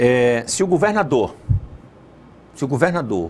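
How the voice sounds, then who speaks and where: A man at a fairly slow pace, lively intonation, very clean recording with a silent background. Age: 60s. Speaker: military police colonel. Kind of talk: TV interview. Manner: animated.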